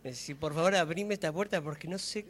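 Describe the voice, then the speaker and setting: A man with an Argentine accent speaks in a fairly high voice, recorded with the long reverb of a hall. He talks reflectively about his craft, pausing and searching for words as he thinks aloud. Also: a bit bright. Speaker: actor and theatre maker. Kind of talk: reflective public conversation about theatre. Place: public talk in a hall.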